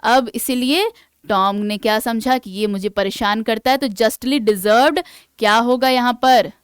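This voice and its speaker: A woman teaching English vocabulary in Hindi mixed with English, asking the class questions and reading definitions aloud slowly in an Indian English accent. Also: a little high, smooth, no echo, clean studio sound. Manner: asks the class rhetorical questions. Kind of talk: online exam-prep lesson.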